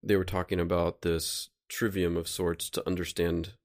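A man with a low voice leads a thoughtful talk. He explains ideas calmly and keeps checking in with "right?" His voice has a gravelly edge. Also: normal speed. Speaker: host. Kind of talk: reflective conversation.

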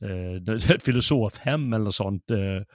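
A man's voice: lowish voice, no room sound. Man, podcast co-host, amused, hesitant with fillers, dry close sound. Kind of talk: casual chat about literature.

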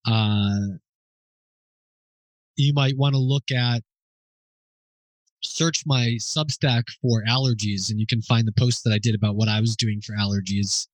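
A man's voice: fairly low pitch, steady tone, a little slow, pauses often, no echo, rough recording. Hesitant man thinking aloud. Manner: thinking aloud, hesitant, with fillers and self-corrections; informal and explanatory. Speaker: host answering listener questions. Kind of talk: unscripted question-and-answer.

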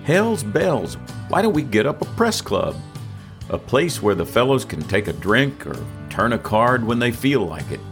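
A gruff early-1900s newspaper reporter on crutches, fed up and swearing as he demands a place to drink and play cards, read out by a man. His voice sits a little higher and livelier than a plain reading, with a low base. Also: lively intonation, normal speed, few pauses, music in the background, natural voice. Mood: exasperated. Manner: exasperated, blunt, swearing.

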